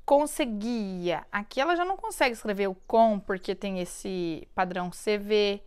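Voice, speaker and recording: A woman in her thirties from Brazil, a literacy teacher explaining her classroom method, slowing down to spell out syllables and words. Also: medium pitch, clear, resonant tone.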